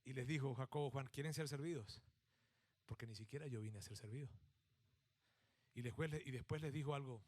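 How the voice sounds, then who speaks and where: A middle-aged Mexican pastor with a Mexican accent and fairly high voice preaches a sermon. His animated storytelling swings between acted-out shouts and hushed emphasis.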